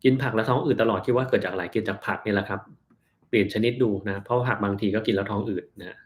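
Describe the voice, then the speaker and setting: A man, a doctor, reads out viewers' health questions on a live stream and answers them in a plain, relaxed way, slowing down to explain terms. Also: fairly low pitch.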